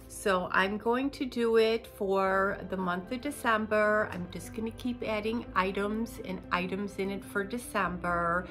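A woman's voice: mid-range voice, a bit bright. An older woman in her sixties, chatting through an unboxing at home, a bit nasal from a cold and rambling with fillers. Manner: chatty, rambling with fillers, seated talking to camera. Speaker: unboxing vlogger. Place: living room at home, indoors.

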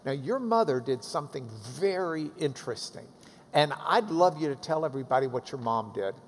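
A middle-aged man hosting a seated interview on a church stage, jovial and quick with jokes. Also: a little high, lively intonation. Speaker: host, interviewer. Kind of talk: conversational interview. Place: church stage, large hall. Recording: reverberant hall, faint noise.

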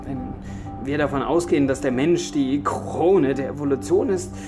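An analytical male computer scientist, acted by a man in a sci-fi radio play, with music clearly behind him. He explains in a hesitant, uncertain way, weighing each point. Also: mid-range voice, moderate pace, natural voice. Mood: cautious, analytical. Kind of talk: science fiction audio drama acting.

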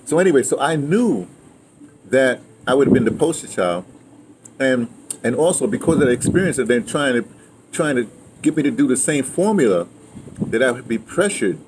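A man of about seventy, reminiscing casually in a rambling, halting way, circling back to his point. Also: mid-range voice, animated. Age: around 70. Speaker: interviewee, theater and radio drama veteran. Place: outdoors in a yard beside a house. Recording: clear outdoor ambient noise.

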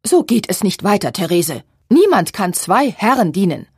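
A woman voicing a strict middle-aged shop owner who is quick to anger, in an audiobook, with a breathy voice. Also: fairly low pitch, darkish tone, dry recording, clean studio sound. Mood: stern. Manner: stern, indignant.

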